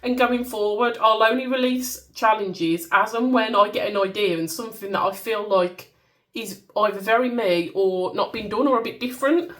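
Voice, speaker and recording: A woman's voice: medium pitch, moderate pace, fairly bright tone. A woman with a Black Country accent, bunged up and nasal from a cold, chatting casually and informally as she walks through products she has made. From Black Country, England. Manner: informal, self-deprecating, given to singing bits. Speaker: small-business content creator showing her products.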